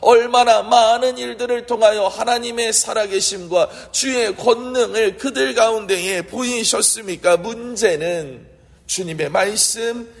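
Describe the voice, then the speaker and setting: A man's voice: high voice, a little slow, vocal fry. A man preaching a sermon as a pastor, earnest and fervent, asking rhetorical questions. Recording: long hall reverb.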